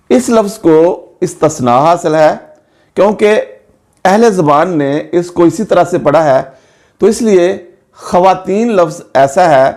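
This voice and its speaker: A man teaching a grammar lesson to students, speaking slowly and carefully and repeating example words to show the right pronunciation. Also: sits high, darkish tone.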